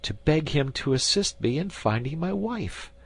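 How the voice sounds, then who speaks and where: A man's voice: big pitch swings, moderate pace, creaky, husky, full character voice. A man voicing a frantic, fawning middle-aged landlord in an audiobook, pleading and whining. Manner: pleading, panicky, high and whining. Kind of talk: audiobook character voice.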